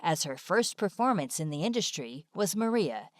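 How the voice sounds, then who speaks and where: A woman's voice: fairly low pitch, very animated, moderate pace, noisy background. A woman reading scripted informational narration as a studio-style voice-over. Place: dry studio-like voice-over recording.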